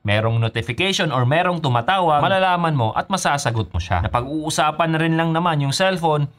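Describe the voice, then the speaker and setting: A man's voice: on the high side, lively intonation, brisk, fairly bright tone. A man with a Filipino accent giving a scripted motorcycle gear review as a vlogger, mixing in English phrases. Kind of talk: scripted review narration with Taglish code-switching.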